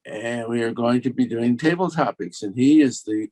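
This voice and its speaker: A man's voice: mid-range voice, normal speed, dark tone, slight background noise. Man with mid-range voice hosting a meeting. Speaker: meeting host introducing a speaker. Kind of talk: informal, unscripted introduction.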